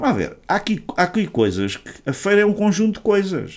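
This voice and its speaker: Swinging very widely in pitch, a man speaks at a fairly quick pace on a very clean recording with a silent background. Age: 60s. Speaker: regular radio commentator. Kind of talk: radio debate discussion.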